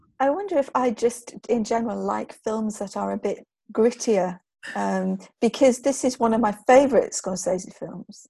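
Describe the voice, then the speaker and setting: A woman with a British accent, fairly high pitch and vocal fry, a dark, mellow tone, ordinary pitch variation and a moderate pace. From UK. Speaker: podcast host and film reviewer. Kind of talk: casual chat.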